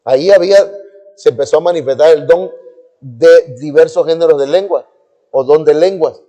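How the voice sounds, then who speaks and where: A man with a Mexican Spanish accent gives a sermon testimony from the pulpit. His voice sits a little high but sounds mellow and warm. He swings between hushed, low prayer and raised, excited quotes. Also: moderate pace. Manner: emotional, rising to high-pitched quotes and dropping to hushed prayer. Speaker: preacher giving testimony. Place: church.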